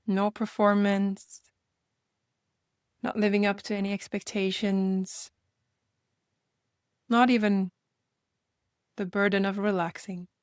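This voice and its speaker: A woman leading a guided meditation in a gentle manner, speaking in unhurried invitations with long pauses. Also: medium pitch, no room sound, studio quality.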